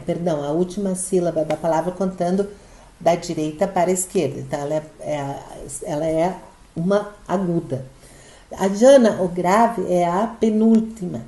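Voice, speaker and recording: Patient Brazilian woman teaching, mellow voice. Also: medium pitch. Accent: Brazilian Portuguese. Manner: patient, explaining step by step with frequent "tá?" checks. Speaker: Spanish teacher. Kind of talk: recorded online lesson.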